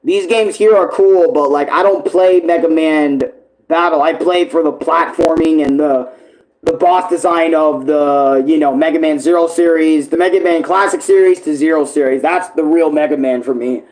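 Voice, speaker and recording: A young man chatting casually on a livestream, rambling and swearing with enthusiasm, his voice hoarse and worn. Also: fairly high pitch, moderate pace, darkish tone, poor audio. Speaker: streamer ranking games. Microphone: tablet camera.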